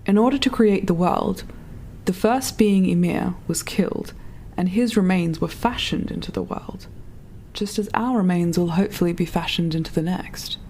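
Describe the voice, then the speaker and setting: A woman playing a reflective, philosophical storyteller, delivering a solemn, deliberate monologue in an audio drama. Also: on the low side, mellow, slight background noise, close to an everyday voice. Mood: solemn, musing.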